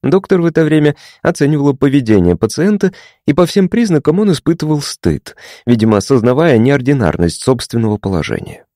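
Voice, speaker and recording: A man narrating a story in a calm, even storytelling manner. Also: mid-range voice, fairly quick, few pauses, no echo, clean studio sound. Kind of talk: storytelling reading.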